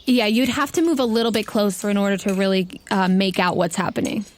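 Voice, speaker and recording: A woman's voice: medium pitch, steady tone, fast talker, slight background noise. A woman narrating a tabletop game as game master and host. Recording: music playing behind the voice. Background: music.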